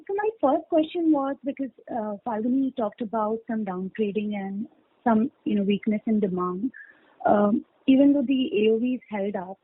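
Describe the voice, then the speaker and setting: A woman's voice: on the high side, dry recording. A woman speaking as a financial analyst, politely asking questions on an earnings call. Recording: dry narrow phone line.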